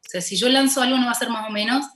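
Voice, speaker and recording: A woman's voice: fairly high pitch, very fast, a bit bright, echoey room. A woman with a Córdoba Argentine accent, a former TV host turned content creator, telling her story passionately and emphatically in a casual interview.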